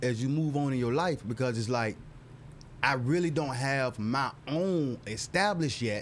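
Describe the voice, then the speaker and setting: An unremarkable speaking voice from a man with an American accent, medium pitch and lively intonation. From US rural area. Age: 30s. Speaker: comedian. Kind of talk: casual chat.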